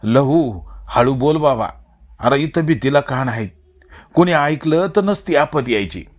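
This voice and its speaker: A man's voice: mid-range voice, expressive, measured pace, natural voice. A male narrator voicing a worried, protective old village mother who talks in rustic speech. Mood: pleading.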